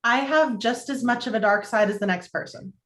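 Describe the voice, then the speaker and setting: A woman's voice: fairly high pitch, fairly quick, a bit bright, natural voice. A woman playing a practical, earnest young aspiring journalist, a little defensive, in a script table read. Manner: earnest, matter-of-fact, defensive.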